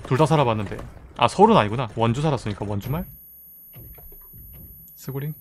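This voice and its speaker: A man's voice: mid-range voice, animated, brisk. Male game streamer, Gyeongsang accent, casual chatter. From South Korea, Busan. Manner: chatty, reads out chat and thanks viewers. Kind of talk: casual live-stream chat while playing.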